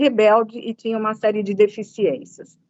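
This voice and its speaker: A woman with an unremarkable speaking voice talks at a moderate pace in a fairly high pitch. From Brazil. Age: 60s. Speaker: entrepreneur and speech therapist. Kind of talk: interview.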